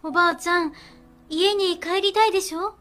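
A woman voicing a curious, sweet young granddaughter in a radio drama, with a high childlike way of asking questions. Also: fairly even intonation, normal speed, fairly bright tone, soft background music. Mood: pleading.

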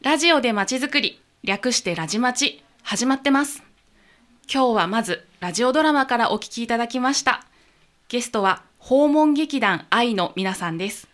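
Lively woman hosting a radio chat. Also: on the high side, moderate pace. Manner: lively, bright interviewer with frequent laughs. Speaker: radio host. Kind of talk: community radio interview.

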